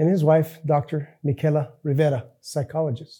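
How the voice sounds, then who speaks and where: The voice has a dark, mellow tone and moves at a moderate pace. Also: man. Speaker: nonprofit loan fund executive. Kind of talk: promotional introduction.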